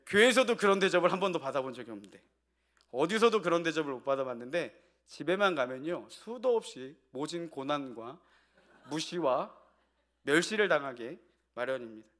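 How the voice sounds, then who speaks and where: A man's voice: fairly high pitch, animated, fairly quick, fairly bright tone. A male pastor preaching an evening sermon in a church. He tells a family story and asks the congregation rhetorical questions.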